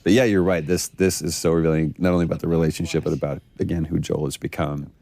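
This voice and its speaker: A man's voice: rumbling low, steady tone, quick pace, vocal fry, warm tone. A man, an actor, chatting enthusiastically on a commentary track and laughing easily. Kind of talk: casual commentary over cutscenes.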